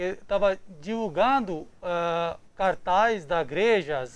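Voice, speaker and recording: Speaking with a non-native accent, a man uses a high pitch and lively intonation. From Middle East. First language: not Portuguese (speaking Portuguese). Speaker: refugee. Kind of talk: testimony interview. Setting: studio, wearing mask. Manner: hesitant non-native Portuguese.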